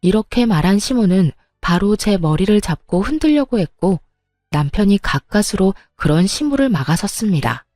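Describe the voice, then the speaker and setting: A woman narrating a first-person family story with steady storytelling. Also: mid-range voice, normal speed, no echo, studio quality.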